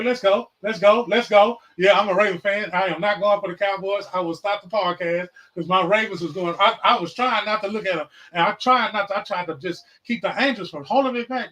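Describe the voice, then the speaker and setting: A man in his forties hosting a casual livestream podcast, mixing loud, repetitive outbursts with profane, slangy sermon-like talk. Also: high voice. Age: 40s. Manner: profane, slangy, calls out viewers. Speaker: podcast host. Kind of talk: casual preaching and chat. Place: livestream, home setup.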